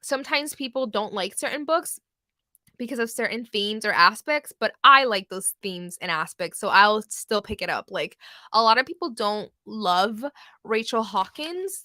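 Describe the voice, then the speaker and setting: Young woman, bright voice, dry close sound, casual rambling livestream chat, frequent likes and ums. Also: a little high, no room sound. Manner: chatty, lots of likes and ums, laughs often. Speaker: book livestream host.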